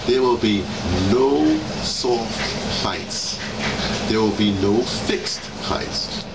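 An American man in his sixties talking casually and haltingly, drifting off on asides and checking in with "right?" as he goes through a book. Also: medium pitch, creaky. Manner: halting, digressive, asks "right?" often. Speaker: vlogger. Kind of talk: casual rambling commentary, reading from a book. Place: small room indoors. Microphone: camera mic across a table. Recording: distant camera mic, loud air-conditioner hum. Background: loud steady background noise.

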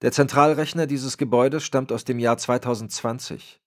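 A man's voice: medium pitch, fairly even intonation, normal speed, pitched above the performer's own voice, lightly acted. A man voicing a formal, fussy AI assistant program in an audiobook. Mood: puzzled. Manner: precise, formal.

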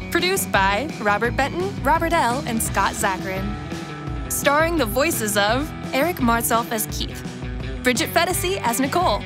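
A woman narrator reading scripted credits and promos for an audio drama podcast. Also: a little high.

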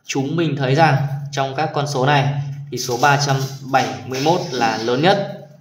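A man's voice: mid-range voice, moderate pace, echoey room, soft background music. A man teaching primary school math in a video lesson, patiently explaining each exercise and checking in with his pupils. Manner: patient, addresses pupils warmly with tag questions.

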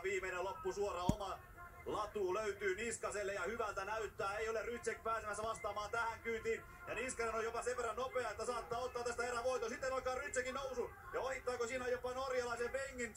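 A man calls a ski sprint live, his voice sitting a little high. It sounds captured from a distance, with clear noise under the broadcast. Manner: rising excitement at race finishes. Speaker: play-by-play commentator. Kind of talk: live sports commentary.

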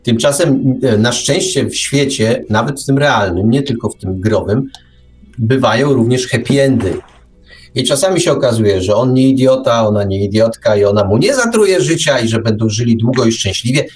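A man's voice: medium pitch, lively intonation, normal speed, a little mellow, soft background music. A man hosting a radio show in casual chat, heard a little distant from the microphone.

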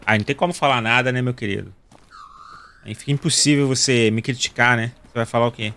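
A man's voice: medium pitch, fast talker, sharp tone. A man in his thirties with a Carioca accent from Rio de Janeiro, casually joking and chatting with viewers while playing a game. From Brazil. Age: 30s. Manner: joking, slangy, talks to viewers. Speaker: gaming video host. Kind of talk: casual gameplay commentary.

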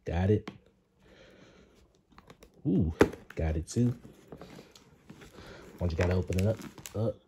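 A man hosting a casual unboxing vlog, talking haltingly with many repeated words and fillers. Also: low-pitched, noisy background. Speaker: vlogger.

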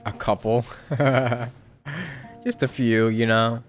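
A man's voice: medium pitch, very slow. A man giving casual live stream commentary as a game streamer, in a wry, joking manner. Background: game music.

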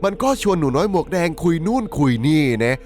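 High-voiced, animated male storyteller. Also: quick pace. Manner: conversational, addresses listeners with frequent polite particles. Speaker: storyteller, channel host. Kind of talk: dramatic horror story recap narration.

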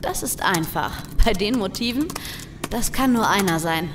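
A woman's voice: medium pitch, animated, normal speed, natural voice. Cheeky woman as hacker, noisy background. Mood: helpful. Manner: cheeky, nonchalant. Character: quirky, self-assured female network expert, a hacker. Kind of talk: audio drama acting.

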